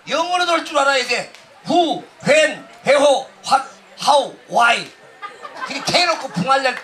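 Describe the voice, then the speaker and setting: A man doing loud, brash stage comedy outdoors, heckling the crowd through a handheld mic. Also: very high-pitched. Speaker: pumba street performer. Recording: distant outdoor PA with noise.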